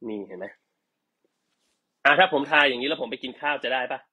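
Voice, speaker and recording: Guy selling skincare on a live stream, joking around, bright forceful voice, mid pitch. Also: fairly quick, husky. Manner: joking, teasing, chatty. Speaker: live-stream product seller. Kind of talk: casual live-stream sales chat.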